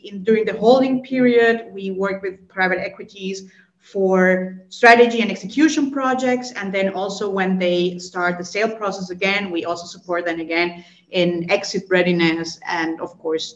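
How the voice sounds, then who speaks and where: A woman's voice: medium pitch, steady tone, normal speed, roomy sound, dull audio. A woman in her thirties from Colombia, a consulting executive answering podcast interview questions fluently, often checking in with "right?". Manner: fluent, explanatory, frequent "right?" and "um" fillers.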